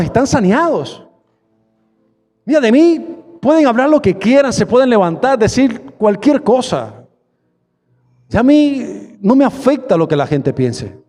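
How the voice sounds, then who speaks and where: A male pastor preaching a sermon in a church, moving between quick bursts and slow, drawn-out emphasis, and acting out prayers and the voices of imagined listeners. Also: very high voice, a little mellow, big-room sound.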